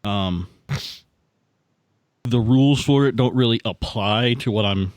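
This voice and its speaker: A man talking casually as a player at a tabletop game, halting and repeating his words as he thinks aloud. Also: mid-range voice, darkish tone, no echo.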